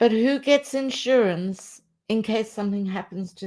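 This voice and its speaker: A woman speaks at a fairly slow pace with ordinary pitch variation in a plain, everyday voice, on a very clean recording with a silent background. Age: 60s. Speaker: life and business coach. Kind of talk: radio interview.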